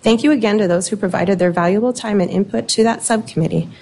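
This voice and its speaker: A woman with a slightly squeaky voice, an internal auditor giving measured, explanatory prepared remarks at a public meeting. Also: dark tone. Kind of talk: formal committee presentation.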